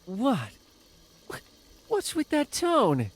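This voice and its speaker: Playful boyfriend, lively swooping voice. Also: male voice, very high voice, extremely slow, heavily acted.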